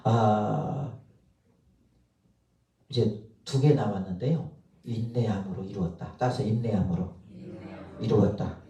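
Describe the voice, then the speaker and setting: A man's voice: fairly low pitch, a little slow, long pauses, warm tone. A man preaching a sermon as pastor, telling stories and acting out the people he quotes, chuckling now and then. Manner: storytelling, acts out quoted voices, chuckles. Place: church sanctuary. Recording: echoey, from far off in a church hall.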